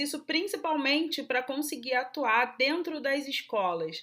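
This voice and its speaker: In a very clean recording with a silent background, a woman with a bright, sharp tone speaks fairly slowly with ordinary pitch variation. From Rio de Janeiro, Brazil. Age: 30s. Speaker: entrepreneur and historian. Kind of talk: recorded presentation.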